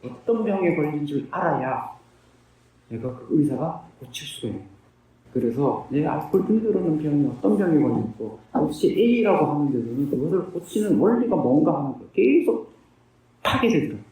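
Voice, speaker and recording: A man in his fifties gives his recovery testimony in a sing-song, mellow voice on the high side, at normal speed. Earnest and plain-spoken, he asks himself questions and then responds. It was captured in a very echoey room with the mic far away.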